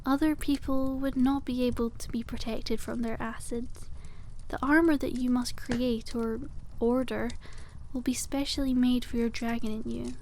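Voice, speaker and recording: Soft high-voiced cute witch shopkeeper played by a woman. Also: a little hiss or hum, natural voice. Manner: soft-spoken, gently enthusiastic, explanatory. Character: cute, friendly witch shopkeeper selling dragon eggs. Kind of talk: ASMR roleplay.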